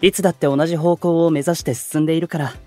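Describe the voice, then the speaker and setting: An actor playing a calm, gentle young male idol who keeps the peace in a Japanese voice drama, speaking politely and with composure. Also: on the high side, quick pace, faint music behind, close to an everyday voice. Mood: serene, confident. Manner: soft-spoken, composed, polite and reflective. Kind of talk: Japanese anime-style voice drama acting.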